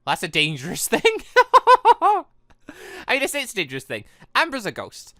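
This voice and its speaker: A video game let's-player giving rambling, excitable, casual commentary while playing. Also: high-pitched, normal speed, dry recording, studio quality. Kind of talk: casual gameplay commentary and read-aloud.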